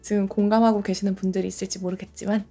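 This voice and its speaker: A woman's voice: mid-range voice, little pitch movement, racing, warm tone. A woman in her late twenties chatting casually in a skincare vlog, gushing about products as she applies them. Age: late 20s. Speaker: beauty creator. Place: bedroom in front of a door.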